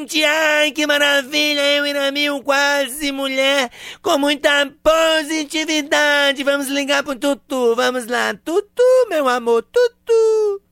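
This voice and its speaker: Man playing a teasing, effeminate prank-call diva, high and bright, lilt. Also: slow pace, no room sound, clean studio sound, heavily acted. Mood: flirty, teasing. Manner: coos and teases in a sing-song voice. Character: flirty, effeminate "almost-woman" caller persona. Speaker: prank caller.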